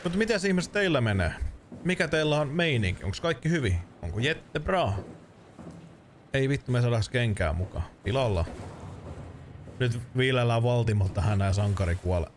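Thirties man streamer, rambling and joking, lots of swearing, animated voice. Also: medium pitch, slight background noise. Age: 30s. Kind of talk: casual let's-play commentary.

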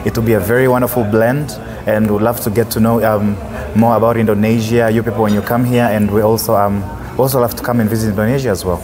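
Calm, low-voiced Tanzanian man. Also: fast talker, crowd noise. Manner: calm, with many um fillers. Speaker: tour company owner. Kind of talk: welcoming statement. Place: conference venue, indoors.

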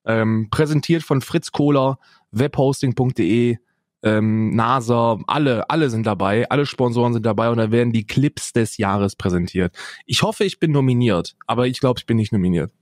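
A man's voice: mid-range voice, moderate pace, no room sound, clean studio sound. Rambling male podcast co-host. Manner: rambling, many restarts and fillers. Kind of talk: casual chat.

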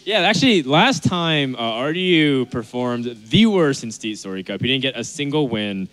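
A man's voice: medium pitch, lively intonation, moderate pace, a bit bright, dry recording. A man hosting a live pre-match interview with players, upbeat and teasing. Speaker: esports interviewer host.

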